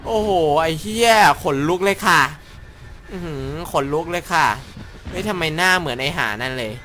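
A young gaming YouTuber with a fairly high, pushed and bright voice commentates a horror game in Thai, joking crudely and rambling to himself. He plays mock-brave but yelps when startled, and there's a little hiss or hum.

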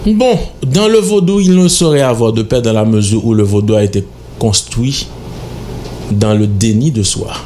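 A man's voice: mid-range voice, moderate pace, warm tone, slight background noise. A middle-aged man with a Haitian accent, a guest in a radio studio interview, speaking in an emphatic, lecturing, insistent way into a studio microphone. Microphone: studio mic on stand.

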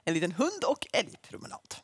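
A woman's voice: lowish voice, very animated, slightly rough, dry recording, studio quality. A woman hosting a casual TV interview in a gushing, exclamatory way. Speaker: morning show host. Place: TV studio.

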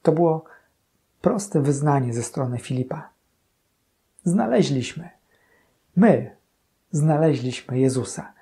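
A priest in his thirties giving a calm, earnest gospel commentary in a small chapel room. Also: on the high side, slightly rough. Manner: calm, earnest, slow-paced reflection. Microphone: fixed camera, medium shot.

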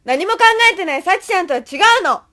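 Young woman playing high-voiced, stressed schoolgirl. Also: animated, fast talker, sharp tone, heavily acted. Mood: irritated. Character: earnest, stressed high-school senior girl. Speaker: student radio drama actor. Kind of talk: amateur radio drama acting.

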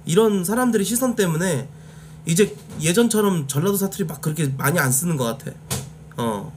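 A man's voice: sits high, expressive, fairly quick, slight background noise. A man from Jeolla, South Korea, chatting casually on a live stream. He talks bluntly, swears freely and answers his chat directly.

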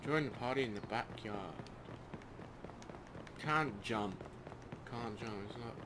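A man's voice: mid-range voice, slow pace. A young man giving casual let's play commentary as he plays a video game. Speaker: gamer commentator. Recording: quiet voice under loud game traffic noise.

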